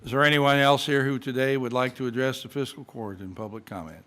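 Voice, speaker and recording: A man chairing a county fiscal court meeting, speaking in a measured, procedural way with halting fillers. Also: medium pitch, fairly even intonation, a bit bright. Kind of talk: formal public meeting.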